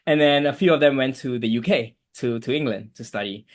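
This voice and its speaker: A man's voice: medium pitch, a little fast. A young man from Malaysia with a Malaysian accent, a guest on an interview podcast, talking easygoing and chatty with many fillers. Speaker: guest, immigration attorney. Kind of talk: casual interview.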